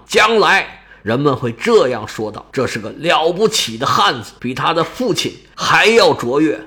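With a fairly high voice, a man retells an epic as a lively, colloquial story, dramatic and playful, and slips into voices for the characters.

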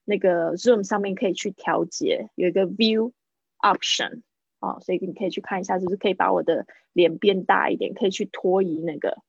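A woman teaching English pronunciation in a live online lesson, switching between quick explanations and slow, drawn-out model phrases, repeating words several times to drill them. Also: mid-range voice, fairly even intonation, gravelly, slightly rough, dry recording, lo-fi sound. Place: indoors, streaming over video call.

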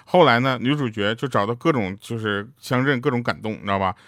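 A man's voice: medium pitch, fast, fairly bright tone, no room sound, studio quality. A man hosting a joke show, telling funny stories in a casual, chatty way and often asking listeners to agree. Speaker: radio joke show host. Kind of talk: casual comic storytelling.

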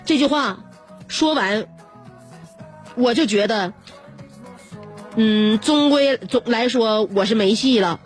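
A woman radio host, reading listener messages on air. She has a fairly high voice and a playful, teasing manner, breaking into laughter often. Faint music plays beneath her. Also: slow, long pauses. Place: radio studio.

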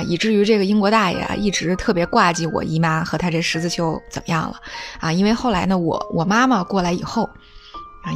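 A woman telling family anecdotes in a casual, humorous way, with many drawn-out filler particles between phrases. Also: lowish voice. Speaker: storyteller recounting family anecdotes. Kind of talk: casual spoken storytelling.

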